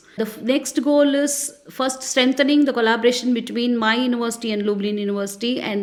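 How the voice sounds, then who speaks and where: With noticeable background noise behind her, a woman talks at a fairly quick pace in a fairly high voice with ordinary pitch variation. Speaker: visiting professor. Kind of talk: interview.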